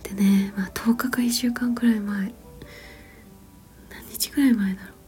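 A woman in her thirties talks almost entirely in a soft whisper, unhurried and gentle as she rambles along. Her voice has a mellow, dark tone. A quiet bed of music sits faintly behind her. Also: medium pitch, fairly even intonation. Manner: gentle, rambling, with frequent fillers and soft laughs. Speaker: mother. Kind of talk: whispered casual storytelling.

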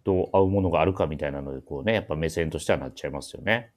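Low-voiced male radio host. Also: very fast, darkish tone. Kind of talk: casual talk show chat with event announcements.

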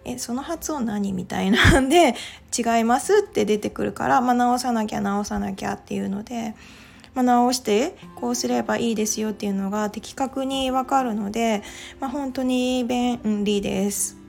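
A woman's voice: on the high side, fairly even intonation, moderate pace, creaky, darkish tone, soft background music. A woman talking casually on her own podcast, chatty and full of little fillers as she goes. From Japan. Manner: chatty, many filler "well"s. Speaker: podcast host. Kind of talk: casual monologue.

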